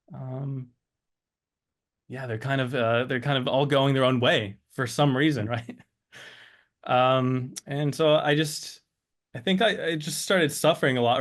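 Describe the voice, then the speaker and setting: A man in his thirties, raised between Switzerland and the United States, tells his own story as a guest. He is reflective and hesitant, often pausing to find the next phrase. His voice stays in a medium male register. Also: medium pitch, vocal fry. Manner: hesitant, searching for words. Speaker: interview guest.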